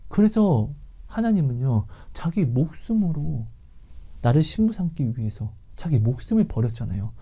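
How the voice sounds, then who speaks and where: A woman delivers a sermon with a warm, mellow voice. Her pitch swings widely as she moves between soft, hushed passages and sudden loud bursts. She acts out imagined conversations as she preaches. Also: big pitch swings, moderate pace, slightly rough. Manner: dramatic, swings from hushed whispers to loud outbursts. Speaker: Christian speaker sharing faith teaching.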